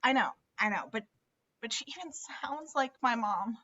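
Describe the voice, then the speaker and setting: Woman reading as earnest conflicted teen girl, bright and forceful, a bit high, dull lo-fi call audio. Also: expressive, normal speed. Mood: wistful, anxious. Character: Max, earnest, conflicted teenage girl grieving her mother. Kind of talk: virtual table read of a film script.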